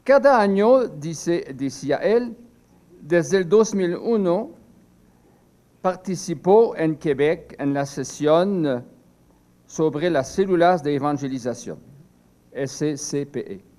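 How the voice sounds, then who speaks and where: His male voice runs on the high side, dark in tone, with lively intonation. An older priest whose first language is French, he reads a prepared seminar talk slowly, halting often with pauses and restarts.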